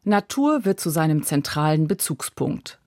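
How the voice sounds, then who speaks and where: A woman narrating a scripted radio feature in a crisp, clipped storytelling manner. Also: low voice, sing-song, normal speed, a little mellow.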